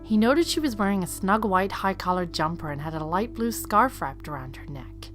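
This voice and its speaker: A woman's voice: mid-range voice, lively intonation, moderate pace, fairly bright tone. A woman reading scripted third-person story narration as the narrator of an audio drama. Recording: faint music behind. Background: faint music.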